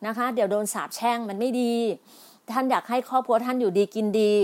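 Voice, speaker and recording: Middle-aged woman ranting, kinda high voice, scolds n pleads, keeps restarting her words. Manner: emphatic, scolding, repeats herself with many restarts; polite particles, pleading then indignant. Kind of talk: impassioned political monologue.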